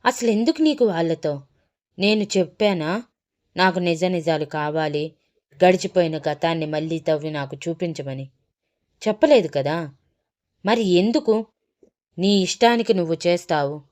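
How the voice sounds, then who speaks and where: A woman's voice: fairly low pitch, measured pace, clear, resonant tone, close to an everyday voice. Woman voicing a furious hot-tempered young husband. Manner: shouting accusations, scornful.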